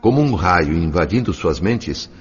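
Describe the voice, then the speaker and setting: Deep-voiced, solemn gentle spirit narrator. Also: male voice, animated, a little slow. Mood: tender, reverent. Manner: solemn, literary, emotive delivery. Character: gentle male spirit narrator, tender, reverent, emotional. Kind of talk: dramatized audiobook narration, radio drama. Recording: dull lo-fi sound over clear music.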